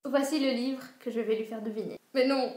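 A woman with a bright, high-pitched voice trades quick, teasing banter in a casual book vlog. The room sounds echoey, with a faint hiss underneath. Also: steady tone. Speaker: book vlogger. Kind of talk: casual chat.

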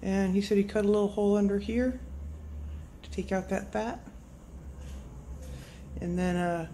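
A middle-aged woman talking in a dazed, groggy, halting way after anesthesia, in a casual video diary recorded on a phone from a hospital bed. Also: medium pitch, steady tone, dark tone, slight background noise. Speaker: patient vlogging after surgery. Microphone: phone at arm's length.

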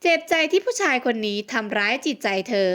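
A woman narrating a romance audiobook in a steady, expressive reading. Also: on the high side, brisk. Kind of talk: scripted narration.

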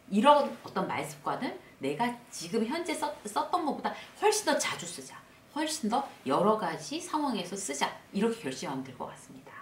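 Lively woman coaching, echoey room. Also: mid-range voice, recorded from a distance, a little hiss or hum. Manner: lively, acts out upbeat self-talk and cheering. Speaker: workplace lecturer and channel host. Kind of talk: casual spoken lesson to camera.

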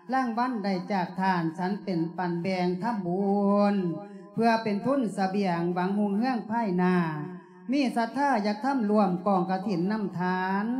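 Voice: mid-range voice, darkish tone, lightly acted. A performer voicing a devout, poor orphaned servant girl in a sung sermon, with an Isan accent and polite, half-chanted verse.

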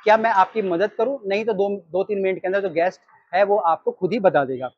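A man in his thirties with an Indian accent, teaching restaurant staff how to take orders in an animated way. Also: high voice, brisk, slightly rough, dry recording, dull audio. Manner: animated, gestures while reading from a sheet. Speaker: restaurant trainer. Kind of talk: training talk. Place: storefront of a small takeaway, outdoors. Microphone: lapel mic.

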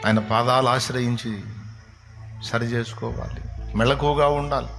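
A man's voice: mid-range voice, steady tone, unhurried, gravelly, a bit bright, soft background music. A man preaching a sermon, impassioned and often rising into pleading, tearful prayer.

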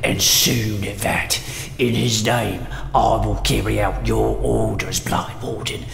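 A servile, zealous villain of fantasy audio drama. His voice is very gravelly and low, and he talks slowly and fawningly in a reverberant hall with music underneath. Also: flat delivery, full character voice. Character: sinister fanatical male villain, crude and servile to his master.

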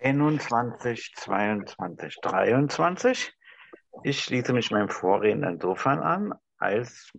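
With a mid-range, sing-song voice that's also gravelly and husky, a middle-aged man improvises a speech to an imagined TV audience as a discussion participant, halting and choosing words carefully. His Berlin German accent is restrained toward High German. He's in a small indoor room on a video call, device at some distance, and the audio is dull and lo-fi.

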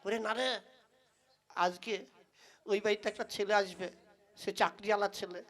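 A woman's voice: medium pitch, fairly even intonation, normal speed, lightly acted. A woman playing a worried, lovesick young man who pleads plaintively in a comic puppet play. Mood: worried, pleading.

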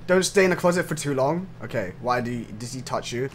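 A man's voice: medium pitch, lively intonation, brisk, a little hiss or hum. A young man giving casual gameplay commentary, jumpy and laughing, swearing and yelping when startled. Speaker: gaming streamer.

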